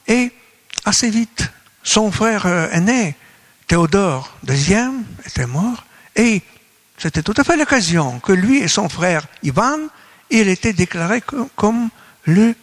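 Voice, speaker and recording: High-voiced Russian man lecturing haltingly in French. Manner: halting, searching for words in non-native French. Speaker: academic speaker at a colloquium. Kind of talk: conference lecture.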